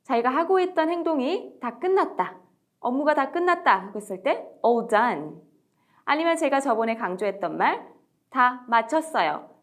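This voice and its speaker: A woman teaching everyday English phrases to parents, modelling each phrase slowly and clearly. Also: high-pitched, lively intonation, fairly bright tone. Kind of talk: slow, deliberate language lesson.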